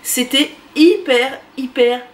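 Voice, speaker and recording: High-voiced woman chatting about favorite products. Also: slow pace. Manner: chatty and enthusiastic, frequent "euh" fillers. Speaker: beauty and lifestyle vlogger. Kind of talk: casual product review monologue. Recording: voice distant from the mic.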